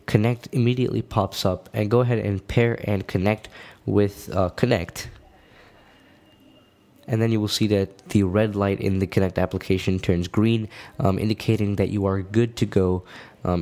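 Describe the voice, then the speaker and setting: In a fairly low voice with a darkish tone, a male host leads a tech tutorial, explaining each step casually and informally as he shows viewers how to do something.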